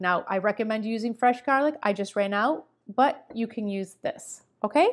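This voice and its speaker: Moderate-paced speech from a woman, the background quiet. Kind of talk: tutorial. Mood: friendly, relaxed. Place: kitchen.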